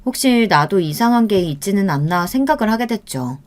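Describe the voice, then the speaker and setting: Reading from a script, a woman earnestly and steadily recounts a true-life story in the first person. She has a medium-pitched voice and goes a little fast.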